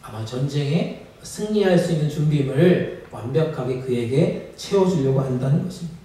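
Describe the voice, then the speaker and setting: A man's voice: on the high side, lively intonation, moderate pace, dark tone. A man preaching a sermon as pastor, calling out to the congregation and rising to emphatic peaks. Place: church sanctuary. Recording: echoey sanctuary, mic at a distance.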